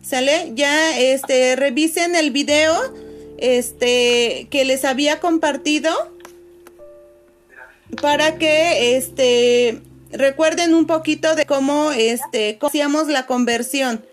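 Patient teacher on a video call. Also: female voice, high-pitched, takes it slowly, soft background music. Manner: patient, many fillers, calls pupils "chicos" and "corazones". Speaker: schoolteacher. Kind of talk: online class video call.

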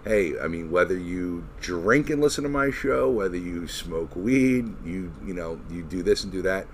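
Male podcast host, low pitch, halting casual talk, salty language, slight background noise. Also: expressive. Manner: halting, profane, informal. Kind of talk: casual chat. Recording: noisy recording.

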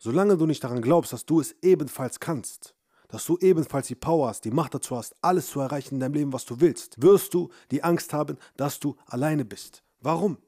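A man's voice: fairly high pitch, fairly quick, mellow, husky, no room sound, clean studio sound. Blunt, intense young man coaching. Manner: intense, blunt, swears, rhetorical questions. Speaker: dating and self-help coach. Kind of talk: motivational monologue.

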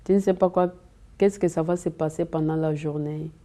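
Low-voiced woman, earnest. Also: fairly even intonation, moderate pace, mellow. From Democratic Republic of the Congo. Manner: earnest, repeats and restarts words often. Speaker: interview guest. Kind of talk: conversational interview. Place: community TV studio.

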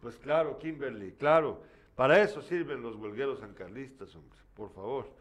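A man's voice: mid-range voice, moderate pace, highs cut off. Opinionated man co-hosting news. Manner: opinionated, exasperated, scolding asides. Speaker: news show co-host. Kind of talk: casual commentary reading viewer messages.

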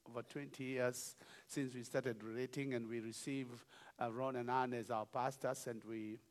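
A man with a Kenyan accent, a bishop speaking to a church, jovial and teaching slowly with laughs. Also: mid-range voice. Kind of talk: sermon with song.

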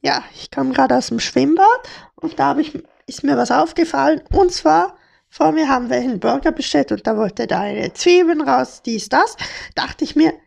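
A woman's voice: high-pitched, expressive, normal speed, gravelly, darkish tone. A young woman from Hamburg hosting a casual, joking podcast chat with a friend. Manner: playful, joking, slang-heavy. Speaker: podcast host.

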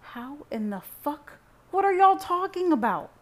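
A woman's voice: lowish voice, moderate pace, close to an everyday voice. A bitter young man, voiced by a woman narrator, talks in a curt, defensive snarl. He is a hot-tempered audiobook hero with little patience. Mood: furious. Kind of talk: audiobook character reading.

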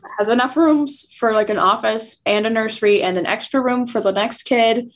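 A woman's voice: a little high, normal speed, poor audio. A chatty young woman in her early twenties, talking as a guest on a casual podcast. She strings her thoughts together with plenty of "like" fillers. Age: 20s. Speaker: guest photographer. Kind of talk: casual chat.

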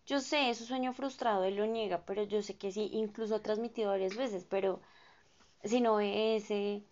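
A woman's voice: mid-range voice, fairly even intonation, moderate pace, darkish tone. Colombian girl in her 20s rambling on her podcast, slangy and self-deprecating, kinda muffled lo-fi audio. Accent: Colombian Spanish. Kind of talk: casual chatty monologue. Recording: dull lo-fi sound.

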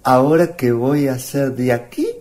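Woman playing a mellow, earnest Chilean country suitor. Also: extremely low pitch, measured pace. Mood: bashful, earnest. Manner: courteous, apologetic, earnest. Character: polite, earnest young country suitor, male. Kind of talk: radio drama acting.

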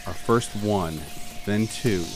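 A man narrating an atmospheric horror roleplay as game master, in a deliberate, theatrical, descriptive manner. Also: lowish voice, slight background noise.

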